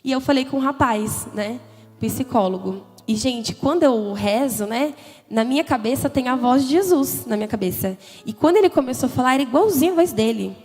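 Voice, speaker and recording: Speaking fairly quickly and expressively, a higher-voiced young woman shares her testimony at a church youth congress. Her manner is open, chatty and full of emotion, peppered with frequent "né?" tags. A long hall echo carries her voice over faint background music.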